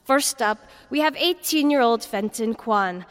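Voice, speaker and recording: A woman's voice: on the high side, lively intonation, measured pace, big-room sound. A woman playing a sardonic conference host who introduces the speakers in an audio drama. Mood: dry. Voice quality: dry, sardonic. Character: brisk female summit host, dry and sarcastic. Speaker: event host.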